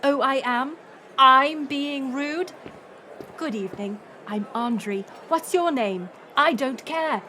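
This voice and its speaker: A woman's voice: high-pitched, slow pace, bright, forceful tone, a little hiss or hum, exaggerated voice. A woman playing a fiery, defiant young princess in a dramatic audio roleplay, indignant and bitingly sarcastic. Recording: music and crowd murmur behind. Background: music and banquet crowd.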